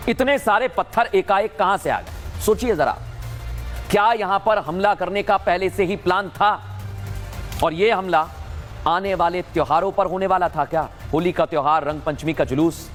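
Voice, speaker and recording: A man anchoring a news report, narrating emphatically and asking viewers rhetorical questions. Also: high voice. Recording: music bed under voice.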